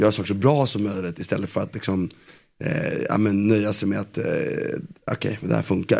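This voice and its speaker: A man using a normal speaking voice keeps a moderate pace, his pitch fairly low. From Sweden. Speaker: football pundit. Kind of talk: casual chat. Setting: studio.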